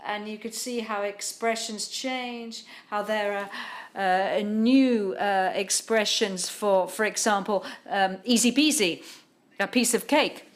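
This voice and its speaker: A woman interprets a literary panel talk on the fly, speaking at a middling pitch. She talks haltingly, pausing and restarting as she searches for the words. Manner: halting, many pauses and restarts.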